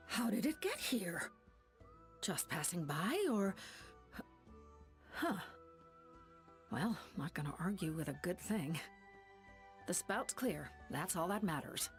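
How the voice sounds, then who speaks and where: Slow-talking, puzzled game investigator. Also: female voice, lowish voice, expressive, faint music behind. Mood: surprised, pleased. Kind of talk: video game voice acting.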